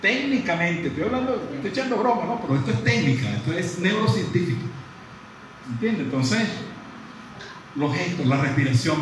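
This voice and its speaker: Man lecturing in a very echoey hall. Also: fairly high pitch. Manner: lively, conversational, asks the audience questions. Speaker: psychologist lecturing dentists. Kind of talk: live lecture to an audience. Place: large room with audience. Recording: very echoey hall from far off, faint noise.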